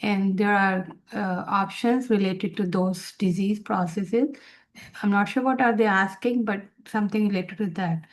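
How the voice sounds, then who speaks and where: South Asian woman teaching, halting delivery. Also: medium pitch, steady tone. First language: Urdu. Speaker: exam review instructor for nursing students. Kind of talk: informal lecture, explaining tips.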